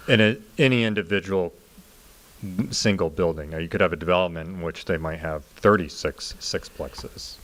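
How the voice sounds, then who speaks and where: A man with an extremely deep voice presents as a planning consultant. He explains things informally, in the setting of a public council meeting. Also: moderate pace, fairly bright tone. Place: city council meeting room.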